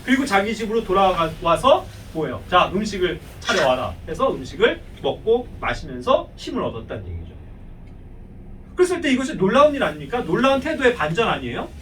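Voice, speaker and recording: A man preaching a sermon in an animated style, asking the congregation rhetorical questions and acting out prayers. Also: high-pitched, fairly quick, far from the mic, slight background noise, rough recording.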